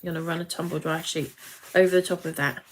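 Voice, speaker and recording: A woman's voice: sits low, steady tone, fast talker, low-quality recording. A British woman in her late forties hosting a live craft demonstration, chatting and rambling as she breaks off to talk to viewers. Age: late 40s, nearly fifty. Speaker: craft tutorial host.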